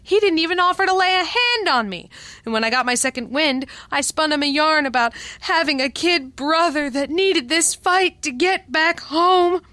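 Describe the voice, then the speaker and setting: A scornful hard-boiled cabaret dame in a radio play, high bright voice, sassy slang, mouthy. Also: female voice, lively intonation, normal speed, no room sound. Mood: exasperated, scornful. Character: brassy, scornful young cabaret con woman.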